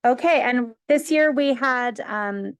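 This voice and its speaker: A woman's voice: on the high side, slow pace, smooth, no room sound. A woman, a youth services librarian presenting at a council meeting, muffled behind a face mask and speaking informally with self-corrections. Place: council chambers.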